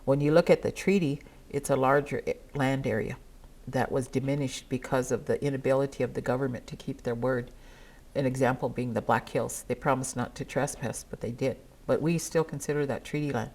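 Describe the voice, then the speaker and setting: An older woman whose first language is Dakota, speaking at a gathering in a measured, earnest way with pauses. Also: a bass voice, darkish tone. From South Dakota, USA. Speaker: treaty council member.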